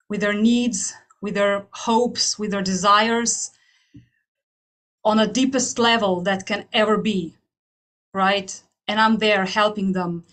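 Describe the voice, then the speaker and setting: A woman with a Slovenian accent speaks at a middle pitch. She addresses an online audience with a personal testimonial. Her delivery is earnest and emphatic, building on repeated phrases. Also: a bit bright. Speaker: hypnotherapist speaking at an open house.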